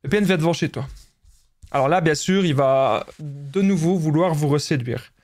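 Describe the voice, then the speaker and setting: Belgian coach, male, high voice; pushes the point, repeats himself, speaks to viewers as friends. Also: normal speed, darkish tone. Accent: Belgian French. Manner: emphatic, repetitive, addresses viewers as friends. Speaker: relationship coach. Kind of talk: direct-to-camera advice monologue.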